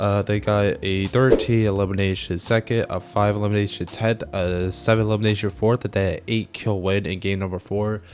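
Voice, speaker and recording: A fairly quick pace with hardly any pauses. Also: man, fairly low pitch for a man. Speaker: gaming YouTuber recapping esports tournament. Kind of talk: casual video commentary. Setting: home recording late at night. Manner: halting, stumbling; quiet, keeping voice down.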